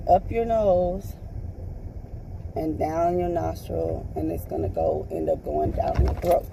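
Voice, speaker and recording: Raspy woman, very dark gravelly voice. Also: fairly low pitch, slight background noise, poor audio. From Texas, US. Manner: rambling, chatty, calls viewers y'all and honey. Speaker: vlogger. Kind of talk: casual chat to viewers while driving. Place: in a parked car.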